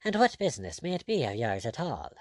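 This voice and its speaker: A man voicing a cool, courteous, mocking pirate captain, quietly firm and sardonic, in an audiobook adventure story. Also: mid-range voice, very animated, moderate pace, dry recording, studio quality. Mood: brusque.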